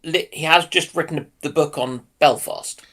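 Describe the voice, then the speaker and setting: A man with a creaky, gravelly voice in casual panel talk. He thinks aloud in a tentative way and often turns his points into questions. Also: fairly high pitch, moderate pace, fairly bright tone. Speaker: co-panelist in discussion. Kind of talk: casual speculative chat.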